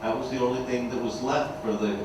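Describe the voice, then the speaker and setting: A man moderating a conference panel, speaking haltingly with many fillers. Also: medium pitch, steady tone. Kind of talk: conference remarks. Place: large conference hall. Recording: echoey hall, far mic, loud noise.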